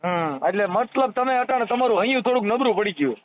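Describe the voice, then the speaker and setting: A man's voice: sits high, lively intonation, quick pace, dry recording. A man with a Kathiawadi Gujarati accent asking teasing, persistent questions in a casual phone conversation. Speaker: social worker taking a phone call. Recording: tinny, narrowband phone call recording.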